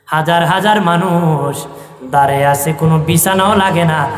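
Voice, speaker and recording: A man's voice: fairly high pitch, normal speed, soft background music. A man preaching a sermon, half-singing his lines and asking the crowd questions. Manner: rhythmic, half-sung preaching with rhetorical questions. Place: large open-air tent gathering over loudspeakers. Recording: echoey PA sound from far off.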